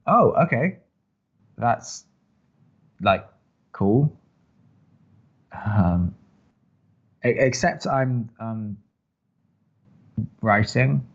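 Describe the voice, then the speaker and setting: A man's voice: on the low side, expressive, full character voice. Man playing a prickly student radio co-host, muffled audio. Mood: flustered, hesitant. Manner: dry, exasperated, halting when flustered. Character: reluctant, prickly, easily flustered male college radio co-host. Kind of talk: romantic comedy audio drama banter.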